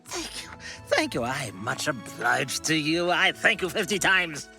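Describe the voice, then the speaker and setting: Man acting an exuberant old gentleman, wildly expressive. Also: fairly high pitch, a little slow, vocal fry, soft background music, exaggerated voice. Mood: giddy, earnest. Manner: effusive, theatrical, swinging between hushed and exuberant. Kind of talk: radio play acting.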